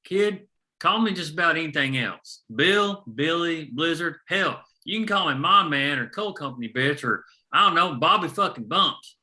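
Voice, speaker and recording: A man playing a gruff, world-weary, foul-mouthed veteran coal miner in a screenplay table read, with a sardonic, folksy delivery. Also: on the high side, lively intonation, normal speed, pushed and bright. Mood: sardonic, irritated.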